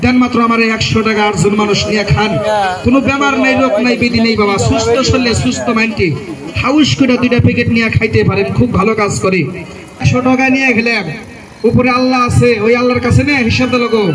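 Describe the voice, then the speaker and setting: A man giving a loud street-market sales pitch like a carnival barker, in repetitive, insistent patter aimed at passers-by. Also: fairly even intonation, fast, low-quality recording. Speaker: street medicine seller. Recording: loud music behind the voice. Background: loud music.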